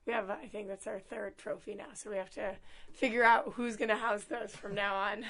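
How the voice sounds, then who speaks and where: A young woman with a hoarse voice talks casually as a student team captain in an interview. She is upbeat and chatty, laughing often and filling pauses with "um" and "like." Her pitch sits in a middle range. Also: little pitch movement, a bit bright. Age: young adult.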